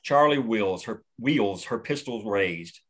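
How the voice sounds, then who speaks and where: A man reading the action lines of a screenplay aloud at a table read, steady and plain. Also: on the low side, slow, slightly rough. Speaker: narrator reading stage directions.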